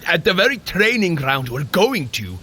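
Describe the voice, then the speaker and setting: A man's voice: high voice, sing-song, moderate pace, bright, forceful tone, slightly rough, full character voice. An actor playing a hearty, boastful Norse warrior god in an audio drama, a jovial storyteller who teases his brother. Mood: amused, teasing.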